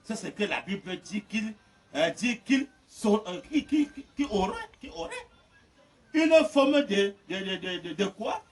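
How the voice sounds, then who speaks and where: Man, preacher, very high voice, lively swings, fiery sermon, distant mic. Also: measured pace. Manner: impassioned, shouting, laughing between phrases. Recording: distant mic with faint noise.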